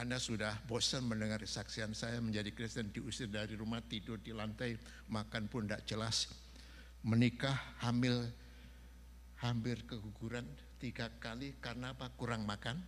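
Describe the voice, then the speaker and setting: A man speaks at a moderate pace. The room echo is clearly audible. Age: 70s. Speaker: visiting pastor. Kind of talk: sermon. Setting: church.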